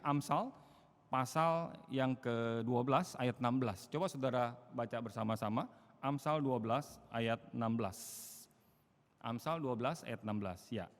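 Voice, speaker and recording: A male pastor preaching a sermon, asking rhetorical questions and answering them himself, swinging from quiet to loud emphasis. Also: fairly high pitch. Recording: long hall reverb.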